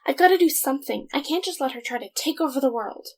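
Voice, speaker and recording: A woman's voice: high-pitched, lively intonation, fast. A woman playing an exasperated, determined young office worker in an audio drama. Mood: urgent.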